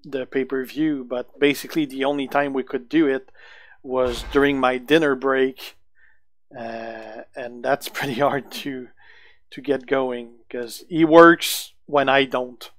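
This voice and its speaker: A man with a French accent, a native French speaker, chatting casually to viewers on a gaming live stream, relaxed and chuckling often. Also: mid-range voice, unhurried, dry recording.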